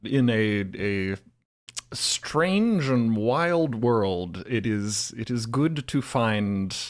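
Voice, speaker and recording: Slow, deliberate podcast guest. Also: medium pitch, lively intonation. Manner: deliberate, pausing between phrases. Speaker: podcast creator, roundtable guest. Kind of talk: measured casual discussion.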